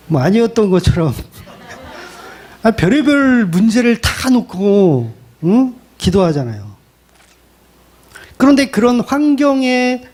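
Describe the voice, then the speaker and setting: Animated Korean pastor preaching, lively pitch. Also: male voice. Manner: animated, colloquial preaching, acting out quoted lines. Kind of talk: sermon.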